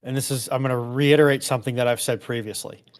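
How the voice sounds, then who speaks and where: A man's voice: medium pitch, fairly even intonation, fast talker. A man talking informally in a history discussion, explaining points with colloquial turns of phrase.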